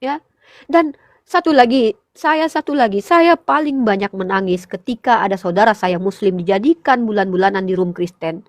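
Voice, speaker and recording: A woman's voice: mid-range voice, moderate pace, no echo. A woman, a Muslim apologetics speaker, giving an impassioned religious exhortation, fervent and pleading, addressing listeners as brothers in faith. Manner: fervent, pleading, rising to emotional peaks.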